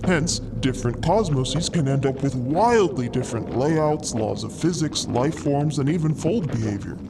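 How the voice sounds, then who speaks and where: A man voicing an excitable, frog-like cosmic explorer who lectures wordily in a fiction podcast. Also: medium pitch, moderate pace, background noise, close to an everyday voice. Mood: lecturing, enthused. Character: eager, frog-like male cosmic explorer, gleeful theorizing savant. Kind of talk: acted fiction podcast dialogue.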